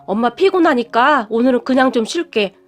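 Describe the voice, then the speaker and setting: A woman's voice: on the high side, animated, a little fast, natural voice. Woman voicing a weary, proud middle-aged mother. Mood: hurt. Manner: sighing, pleading, stubborn.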